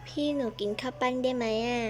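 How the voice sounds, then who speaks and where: A woman's voice: sits high, fairly even intonation, fast. A woman chatting playfully through a game role-play, hopping between little characters.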